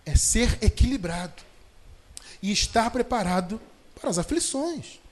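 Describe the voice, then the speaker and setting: A man's voice: high-pitched, expressive, measured pace. A Brazilian man preaching a sermon on a livestream, chatty and conversational, stretching out scripture verses with emphasis. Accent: Brazilian Portuguese. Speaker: pastor. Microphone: livestream microphone.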